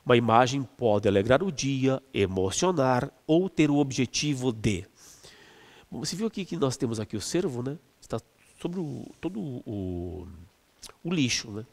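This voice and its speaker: A man's voice: medium pitch, sing-song, moderate pace, vocal fry, in a large hall. A man teaching an exam-prep language lesson, explaining step by step with fillers and restarts, and stretching key words to stress them.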